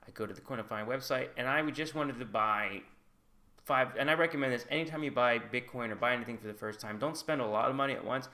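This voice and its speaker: This is a fast-talking American vlogger with a mid-range voice that sounds pushed and bright. Addressing his channel's camera in his first language, English, he casually recounts his own experience, candid and hedgy with frequent "like" and "I guess."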